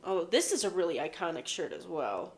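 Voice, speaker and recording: A woman's voice: fairly low pitch, sing-song, a little fast, noisy background. Young woman host, nasal from allergies, jokey and opinionated, casual review chat. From Chicago, USA. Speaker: podcast host reviewing cartoon episodes.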